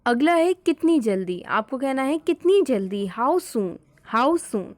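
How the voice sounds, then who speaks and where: A woman teaching English phrases, repeating each phrase slowly and explaining step by step. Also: high voice, big pitch swings, no echo. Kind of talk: spoken English lesson.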